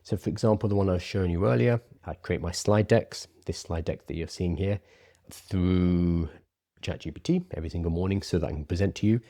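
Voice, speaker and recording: Male presenter, low and relaxed tone, informal teaching delivery, emphatic on key points, soft rounded R's. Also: fairly quick. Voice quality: soft R's pronounced like W's. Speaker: presenter teaching prompt writing. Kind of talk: conversational presentation to an audience.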